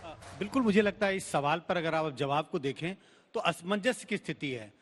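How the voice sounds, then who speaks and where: A man political analyst on a TV panel, speaking in a measured way with some thinking fillers. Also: on the high side, lively intonation, big-room sound, soft background music.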